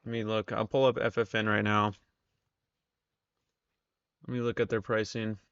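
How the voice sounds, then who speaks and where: A man's voice: on the low side, level tone, normal speed, creaky, fairly bright tone, clean tone, dry recording, dull audio. A man hosting a casual live stream, chatting with viewers while losing his voice. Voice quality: strained, tired voice. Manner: chatty, reads viewer comments aloud. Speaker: live-stream trader host.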